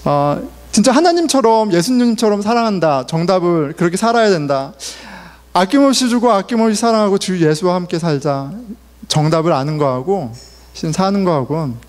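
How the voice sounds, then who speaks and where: A man's voice: sits high, a little mellow, long reverb tail. A male pastor in his forties preaching a sermon in a conversational way, asking the congregation questions and telling family stories. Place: church sanctuary.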